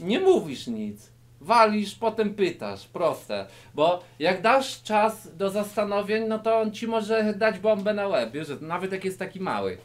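A man giving a comedic mock martial-arts lesson to camera, mock-serious and lecturing the viewer directly, swinging between loud and quiet delivery, in a low-ceilinged indoor room. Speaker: YouTuber.

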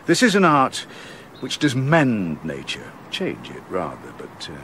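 An actor playing an older nobleman who argues in a measured way with a shepherdess in a radio play. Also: low-pitched, huge pitch swings, a bit bright, slight background noise, exaggerated voice. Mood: reasoning.

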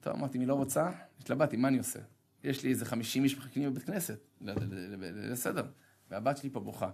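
Gravelly man telling a lively story. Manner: animated, humorous, self-deprecating storytelling; acts out dialogue with sharp pitch jumps. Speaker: rabbi giving a talk. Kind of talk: storytelling sermon.

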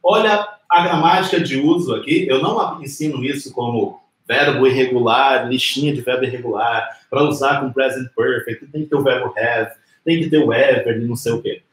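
A man's voice: mid-range voice, moderate pace. A Brazilian man in his forties giving an informal, conversational English lesson on a live stream, explaining didactically with rhetorical questions and example phrases. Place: small indoor room with whiteboard. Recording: roomy, echoing indoor sound.

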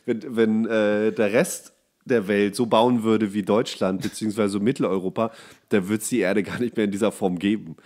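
A man's voice: fairly low pitch, fairly even intonation, normal speed, a little mellow. A man with a German accent chatting casually and comedically as a podcast co-host, colloquial and grumbling with coarse humour.

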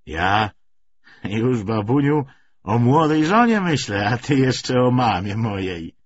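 A man's voice: medium pitch, very animated, takes it slowly, lo-fi sound, voice pushed up. A man voicing a wry, easygoing young cavalry volunteer with teasing, colloquial speech. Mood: playful.

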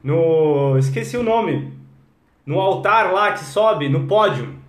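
A man's voice: fairly high pitch, lively intonation, slow pace, reverberant. A young man teaching English on a live stream, full of energy, switching between English and Portuguese and greeting viewers by name.

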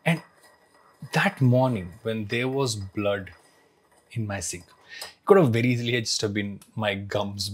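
Man, forties, founder telling his story; husky, lowish voice, reflective and emphatic. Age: 40s. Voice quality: slightly husky, throat clearing. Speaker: founder sharing life lessons. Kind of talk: personal story talk to camera.

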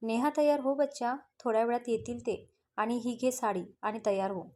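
A woman voicing an affectionate, soothing elder sister who coaxes gently. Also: fairly high pitch, fairly even intonation, normal speed, close to an everyday voice. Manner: gentle, coaxing.

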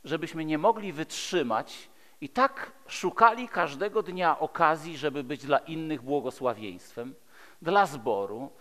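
With lively intonation and a voice on the high side, a Polish man in his fifties preaches a little slowly from a pulpit in a large church hall. He is emphatic and rhetorical, repeating phrases and moving dramatically between loud and hushed, and the hall's long reverb echoes throughout.

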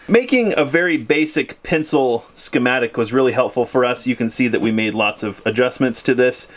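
Plainspoken man explaining plumbing outdoors. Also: mid-range voice. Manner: practical, plainspoken, explains step by step. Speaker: homesteading vlogger. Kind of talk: casual explainer vlog. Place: outdoors in snow by a forest.

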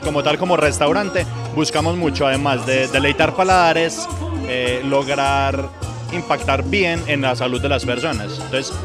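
Young man, restaurant representative; earnest, hesitant answers over background music. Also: medium pitch. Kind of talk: news interview. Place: outdoor town square event. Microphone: handheld interview mic.

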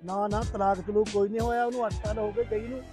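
A man plays an exasperated village council member, talking fast in a high voice. He brushes off complaints in a dismissive way. Faint music plays underneath. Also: flat delivery, natural voice. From Punjab.

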